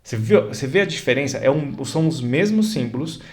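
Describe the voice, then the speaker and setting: A man's voice: mid-range voice, expressive, a little fast. A man with a Brazilian Portuguese accent, an astrologer explaining ideas in a casual, conversational way and often checking that the listener follows. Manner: conversational, repeats examples, checks in with "certo?" and "tá?".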